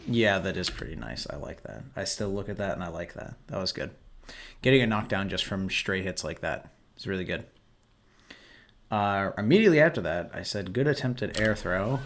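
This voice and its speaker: Low, hoarse-voiced guy, laid-back coach talking over footage. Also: normal speed. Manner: relaxed, explanatory, coaching tone. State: hoarse, voice worn from yelling. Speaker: host. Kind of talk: casual commentary over gameplay footage.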